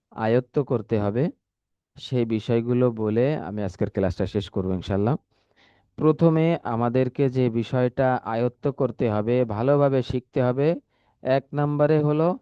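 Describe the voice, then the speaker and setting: A man teaching a recitation class, explaining step by step and repeating key words slowly. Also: mid-range voice, smooth, dry recording, muffled recording. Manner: patient, repetitive explaining, stretches words slowly when demonstrating. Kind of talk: spoken lesson.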